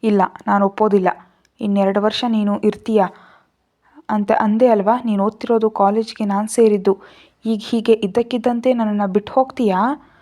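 A caring younger brother asks worried questions and digs in his heels, as a woman narrator voices him. His voice is mellow, and he turns insistent when he objects. It is spoken storybook narration. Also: a little high, steady tone, moderate pace, lightly acted. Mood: angry. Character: teenage boy, caring younger brother, stubborn.

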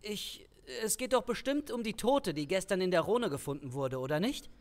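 An actor playing a halting, uneasy male traffic policeman in an audio crime drama. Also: high-pitched, animated. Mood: hesitant, uneasy. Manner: halting, hesitant. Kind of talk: German audio drama acting.

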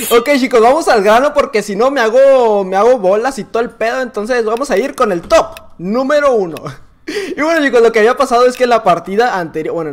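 A man with a Mexican Spanish accent giving casual, excitable gameplay commentary, full of slang, laughing and often shouting. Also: very high-pitched. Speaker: gaming YouTuber.

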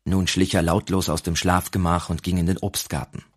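A man narrating an audiobook in a calm, even storytelling manner. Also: low-pitched, moderate pace, slightly rough.

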